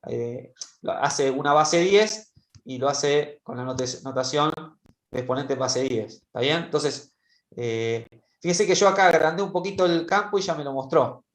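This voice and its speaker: A male teacher walking students through a spreadsheet exercise in an online class, patiently checking in with them as he goes. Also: a little high. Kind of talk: online class screen-share demonstration. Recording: roomy echo.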